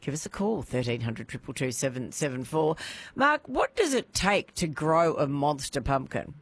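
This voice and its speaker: A woman's voice: low-pitched, big pitch swings, normal speed, breathy edge. Chatty woman radio host. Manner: chatty, laughs easily, playful. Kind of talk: talkback radio chat.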